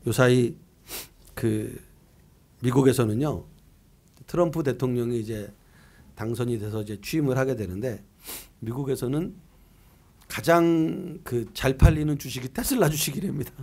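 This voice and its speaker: A man's voice: medium pitch, normal speed, pauses often, darkish tone, slightly rough. A middle-aged man preaching a year-end sermon as pastor, reading scripture aloud and asking and answering his own questions in a conversational way.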